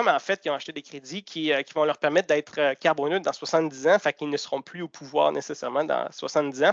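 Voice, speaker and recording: A man's voice: on the high side, gravelly, a bit bright, dry recording. Man, Québécois French accent, presenting a webinar with frequent fillers; dry, muffled video-call sound. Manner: explanatory, with frequent fillers and restarts.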